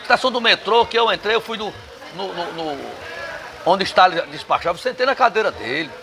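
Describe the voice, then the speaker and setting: High-voiced, combative Northeastern Brazilian man. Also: expressive, a little fast, creaky, sharp tone, a little hiss or hum. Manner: emphatic, combative, salty language. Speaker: interview guest. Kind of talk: casual bar interview. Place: bar.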